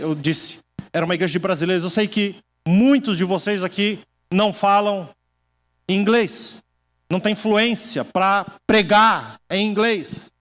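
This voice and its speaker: A male pastor preaching a sermon, telling stories, acting out quoted voices and slowing down for emphasis. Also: high voice, in a large hall. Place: church hall.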